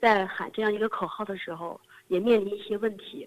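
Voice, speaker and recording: A woman with a fairly high voice speaks fairly quickly. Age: 30s. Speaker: author and public speaker. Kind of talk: radio interview. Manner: hesitant, many filler sounds.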